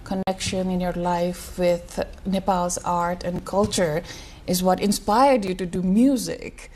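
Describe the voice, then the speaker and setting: A woman's voice: on the low side, fairly even intonation, a little slow, a little mellow, a little hiss or hum. A woman hosting a TV interview, asking questions with hesitant ums. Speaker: TV interview host. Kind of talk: broadcast interview.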